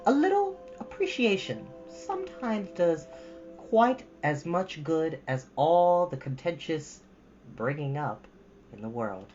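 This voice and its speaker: A woman's voice: deep voice, big pitch swings, slow pace, warm tone, highs cut off, soft background music. A woman hosting storytime, reading expressively and chatting casually to listeners. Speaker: storytime host and reader.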